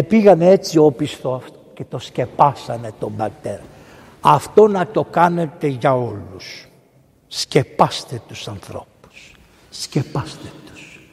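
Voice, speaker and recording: A man, a priest, delivering a lively, colloquial sermon, swinging between loud exclamations and hushed asides. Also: mid-range voice. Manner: colloquial, storytelling. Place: large church. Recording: echoey church with long reverb.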